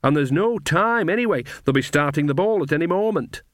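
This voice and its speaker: A cheery older woman witch, played by a man, earthy and fond of a drink, in an audiobook. The voice is pushed up high, with breezy, cajoling, rustic talk and a close, dry sound. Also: animated, brisk, no room sound, close to an everyday voice. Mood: brisk, boastful. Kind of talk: audiobook character voice.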